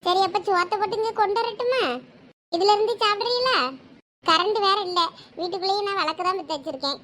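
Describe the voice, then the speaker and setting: A caring village housewife with a Thoothukudi accent, played by a woman in a homespun village drama. Her very high voice runs on fast and coaxing, soothing and talkative. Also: fairly bright tone. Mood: reassuring. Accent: Thoothukudi Tamil. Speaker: village wife.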